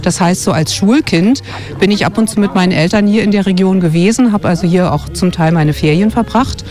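A woman's voice: lowish voice, a little mellow. A woman from West Berlin, a radio journalist and travel guide author, explaining fluently and thoughtfully in a radio interview on a forest walk. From West Berlin, Germany. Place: outdoors on a winter forest walk.

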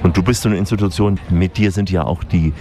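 A man's voice: deep voice, fairly even intonation, quick pace, mellow, slight background noise. A man speaking as a reporter, introducing and questioning a guest in a conversational way. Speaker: interviewer.

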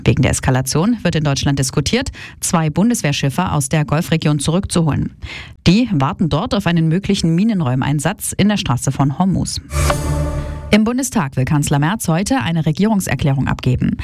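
A newsreader presenting a radio news bulletin in a clear, even way. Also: mid-range voice, a little fast.

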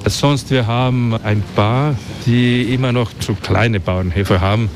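A man with a Slovenian accent, a native Slovene speaker, giving a spontaneous guided tour in simple, halting non-native phrases. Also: medium pitch, steady tone, noisy background. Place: outdoor city market.

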